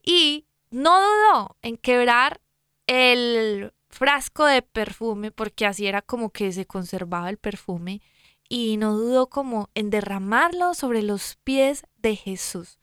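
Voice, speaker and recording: A woman's voice: fairly high pitch, animated, slow pace, fairly bright tone, smooth, no room sound, clean studio sound. A woman co-hosting a casual faith talk, retelling a Bible story in a chatty, folksy way with lots of "pues" asides. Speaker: Christian talk co-host.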